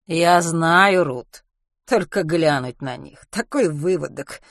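A woman's voice: sits low, slow, dry recording, studio quality. A woman reading an audiobook and voicing a fretful, tearful middle-aged mother who laments emphatically about her sons.

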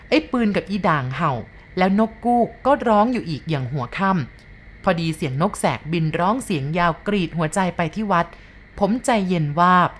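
A woman reading a first-person ghost story aloud in a dramatic, hushed storytelling manner. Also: fairly low pitch.

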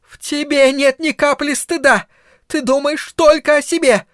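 A man's voice: extremely high pitch, fairly even intonation, unhurried, a bit bright, dry recording, clean studio sound, voice pushed up. A man voicing a furious, cruel middle-aged mother who shrieks and sneers with biting sarcasm, in an audiobook reading. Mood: screaming rage. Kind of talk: audiobook character voice.

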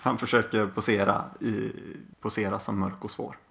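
A man's voice: fairly low pitch, level tone, creaky, a bit bright. A young man co-hosting a podcast from a living room, making dry, laid-back remarks in casual chat. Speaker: podcast co-host.

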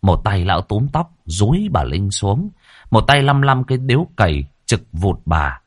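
Brief: deep husky male narrator, horror tale, animated delivery, dry. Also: moderate pace, dry recording. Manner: dramatic, vivid storytelling. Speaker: storyteller.

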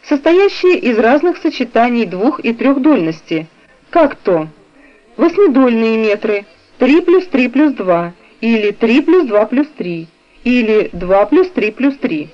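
A woman reading a music theory textbook aloud in a slow, measured way, describing the notation on the page. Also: fairly high pitch, big pitch swings. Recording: dull, lo-fi recording.

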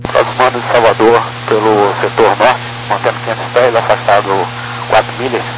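A man's voice: on the low side, steady tone, brisk. A man with a Brazilian accent, a pilot speaking over a cockpit headset radio in terse, clipped radio phraseology. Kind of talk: air traffic radio exchange. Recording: noisy aviation radio transmission.

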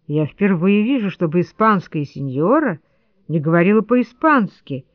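A woman's voice: lowish voice, expressive, normal speed, no echo, lightly acted. A woman reading the lines of a blunt, insistent male taxi driver in an audiobook, with little change from her own voice. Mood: puzzled, insistent. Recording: dull lo-fi dry studio read.

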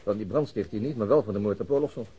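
An actor playing a methodical, persistent police detective in a radio crime drama, speaking in a colloquial way. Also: male voice, on the low side, racing, warm tone, muffled recording, close to an everyday voice. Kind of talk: Dutch radio drama dialogue.

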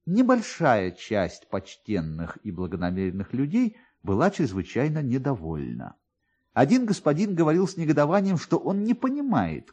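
A man reading a satirical literary story for radio in a theatrical, expressive way, with pointed pauses and emphasis. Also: fairly high pitch, breathy edge. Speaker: narrator, actor reading a classic satirical story. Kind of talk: dramatic literary narration for radio.

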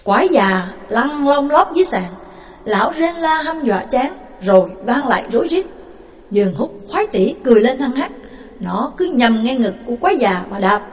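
Expressive woman storyteller, lightly raised pitch. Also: normal speed, soft background music. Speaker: narrator. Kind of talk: dramatic audiobook narration.

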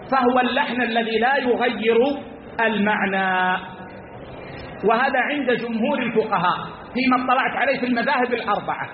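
A man teaching a religious lesson, speaking slowly and repeating key phrases for emphasis. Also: very high voice, slight background noise. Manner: addresses listeners as brothers; slow and deliberate, drawing out words. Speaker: Islamic scholar teaching a class. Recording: echoey hall over tinny lo-fi line.

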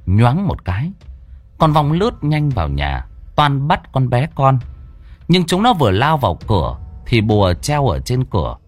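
A man narrating a ghost story in a dramatic, expressive way. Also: medium pitch, moderate pace, dry recording.

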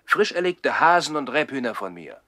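An actor in a 1960s radio play as a self-assured, headstrong young nobleman with a crisp, commanding manner. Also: mid-range voice, sing-song, normal speed, sharp tone. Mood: eager, demanding.

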